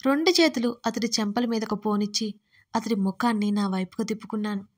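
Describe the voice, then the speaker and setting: A woman's voice: medium pitch, brisk. A woman narrating her own emotional love story in the first person, with dramatic, tearful storytelling. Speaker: writer and narrator of audio stories.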